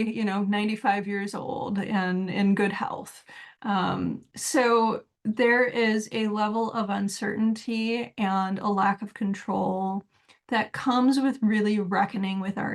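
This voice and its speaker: A woman giving a reflective solo talk as a spiritual teacher, measured and thoughtful with soft laughs between points. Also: mid-range voice, vocal fry.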